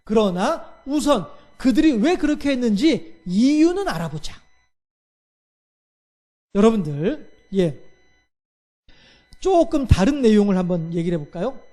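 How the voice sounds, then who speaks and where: A male pastor with a strikingly high speaking voice delivers a sermon. He talks straight to the congregation, asks question after question and fills each pause with a short "yes". He acts out everyday quarrels in lively voices.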